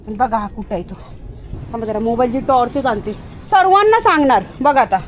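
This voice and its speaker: A woman's voice: fairly high pitch, brisk, darkish tone. A woman vlogging at night outdoors on a handheld phone, chatting to viewers and scolding and calling out to her dog. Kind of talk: casual vlog narration to viewers.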